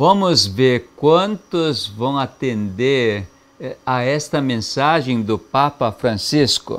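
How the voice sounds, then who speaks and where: Lively intonation runs through a man's medium-pitched speech, delivered at a very slow pace. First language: not Portuguese (foreigner) (speaking Portuguese). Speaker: health program host. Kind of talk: health talk with reading aloud.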